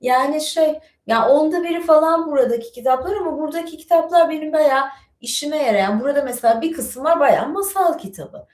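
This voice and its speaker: A woman's voice: high-pitched, fairly quick, few pauses, darkish tone, echoey room. A woman chatting casually on a live stream and reading aloud from a book, digressing freely with many fillers. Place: home studio with bookshelves.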